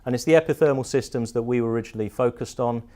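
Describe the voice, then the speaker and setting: A man with a British accent giving an investor presentation as a company director, with halting phrasing and frequent ums. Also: mid-range voice, dark tone. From partly Turkey, mostly the UK.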